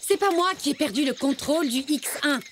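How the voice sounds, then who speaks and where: A woman voicing an exasperated, haughty female scientist explorer in an animated series, complaining indignantly and theatrically. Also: sits high, brisk, a little hiss or hum, lightly acted. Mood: irritated, complaining.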